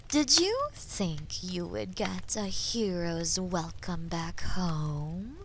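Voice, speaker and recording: A woman voicing a haughty, menacing female dragon in a fantasy audio roleplay, taunting and condescending, with a breathy voice that often drops toward a whisper. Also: on the low side, lively intonation, fairly bright tone, a little hiss or hum, full character voice. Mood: mocking, amused. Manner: taunting, condescending, theatrically slow and deliberate. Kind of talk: scripted fantasy audio roleplay addressed to the listener.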